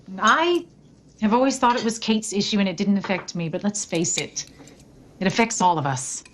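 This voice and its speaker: An actress as a weary, fed-up grown daughter. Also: female voice, medium pitch, animated, moderate pace, a little hiss or hum, natural voice. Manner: firm, confronting.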